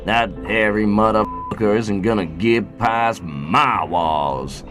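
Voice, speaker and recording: A man's voice: on the low side, slow pace, music in the background. A man voicing a frightened, foul-mouthed little piggy in a comic fairy tale, panicky and exclaiming. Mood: urgent, scared.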